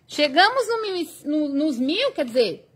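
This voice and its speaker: A woman's voice: high voice, big pitch swings, unhurried. A Brazilian woman teaching crochet on a live stream, chatting and reading viewer comments aloud. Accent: Brazilian Portuguese.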